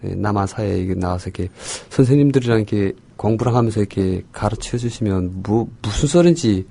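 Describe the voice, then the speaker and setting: A man's voice: fairly low pitch, vocal fry, warm tone, dry recording. Hesitant man with a North Korean accent. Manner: hesitant, halting, shy laughs. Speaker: guest.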